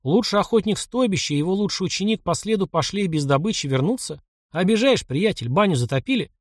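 A man's voice: sits high, animated, fast, dry recording, studio quality, pitched above the performer's own voice. A man voicing a sly, ruthless young frontier fighter who talks in mocking, clipped commands. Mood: brisk, cheerful.

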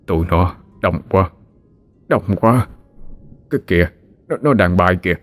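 A deranged villager murmurs in a thin, frightened whisper, as if spirits swarm around him, voiced by a man. The voice sits low and quiet, drawn back from the mic. Faint music drifts behind. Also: expressive, a little slow. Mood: haunted whisper. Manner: hoarse whispering, then panicked cries. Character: crazed middle-aged man seeing ghosts.

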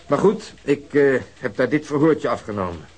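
An actor playing a detective who dryly reports on an interview, in a radio drama. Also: male voice, medium pitch, animated, moderate pace, a little mellow, husky. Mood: wry. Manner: dry, ironic. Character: wry police detective reporting, middle-aged man.

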